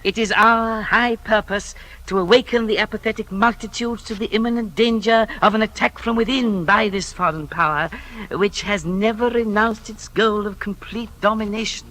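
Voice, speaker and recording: An actor playing a sly, smooth male informer in a 1950s radio drama, suave and insinuating. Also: high voice, normal speed, bright, forceful tone, rough recording. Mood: silky.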